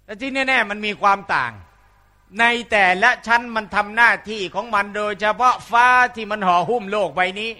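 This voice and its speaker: A man giving an Islamic sermon in a lively, humorous way, mimicking regional dialects as he goes. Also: sits high, normal speed. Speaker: Islamic preacher.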